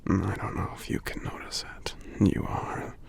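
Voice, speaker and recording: A man voicing a gentle, congested giant lover in an intimate ASMR roleplay, murmuring softly and tenderly with small hums between phrases. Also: moderate pace, close to an everyday voice. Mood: tender, admiring. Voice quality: congested, stuffy, breathy half-whisper. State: congested from a cold. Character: gentle sick male giant, tender romantic partner.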